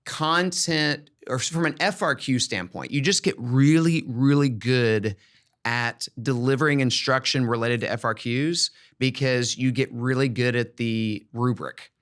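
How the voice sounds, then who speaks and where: A man's voice: mid-range voice, a little slow, fairly bright tone. A middle-aged American man hosting a podcast in a conversational style, explaining things in an upbeat, emphatic way. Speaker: podcast host, former school principal. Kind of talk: conversational educational podcast talk.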